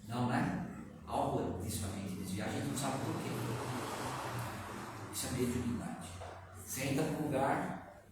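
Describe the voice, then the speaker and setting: Man, Brazilian Portuguese accent, spiritist lecture, animated, questions the crowd, distant mic, very echoey hall. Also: medium pitch, moderate pace, pauses often. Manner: animated, asks the audience questions, chuckles often. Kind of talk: lively lecture to a live audience. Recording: echoey room, far from the mic, background noise.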